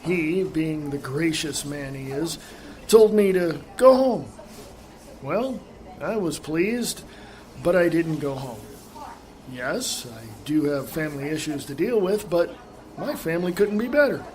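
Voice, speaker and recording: An actor playing a reflective, contented middle-aged family man in a radio theatre monologue, measured and pensive with dramatic pauses. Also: on the high side, animated, a little mellow. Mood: candid, thoughtful.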